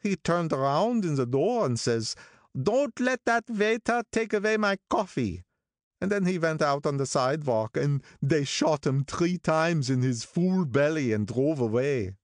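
A man voicing a gloomy, sentimental older gangster who talks in a slow, brooding, drawn-out way. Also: fairly high pitch, very animated, no echo, studio quality, pitched above the performer's own voice. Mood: self-satisfied.

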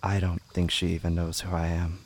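A man's voice: deep voice, monotone, fairly quick, husky. A man playing a shy, awkward teenage boy who answers in hesitant, glum, short phrases in an audio drama. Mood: shy, resigned. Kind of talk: naturalistic audio drama dialogue.

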